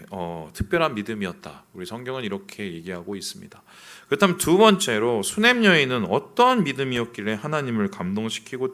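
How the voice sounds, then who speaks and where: Lively, bright-voiced male preacher. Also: on the low side. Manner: animated preaching with rhetorical questions to the congregation; acts out quoted complaints in a raised voice. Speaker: pastor. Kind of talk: sermon. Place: church sanctuary.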